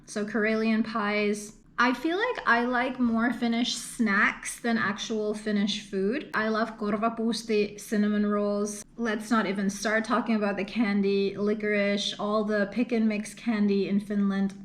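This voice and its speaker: A woman's voice: medium pitch, fairly even intonation, measured pace, hardly any pauses. A woman who grew up in the United Arab Emirates, chatting earnestly in a casual question-and-answer vlog. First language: English. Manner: earnest and chatty, with fillers and repeated phrases. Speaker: content creator.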